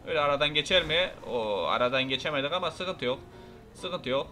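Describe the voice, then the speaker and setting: Rowdy high-voiced young man gaming. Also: lively intonation, quick pace, bright, forceful tone. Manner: rowdy, talks to viewers, mock-threatens game characters. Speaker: gameplay YouTuber. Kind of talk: casual gameplay commentary. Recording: faint music behind.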